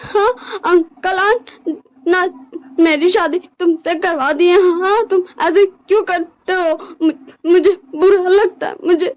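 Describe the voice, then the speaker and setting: A woman's voice: very high-pitched, dull audio. A woman voicing a tearful young man who pleads and stammers through sobs in a storybook read-aloud. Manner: crying, stammering, begging.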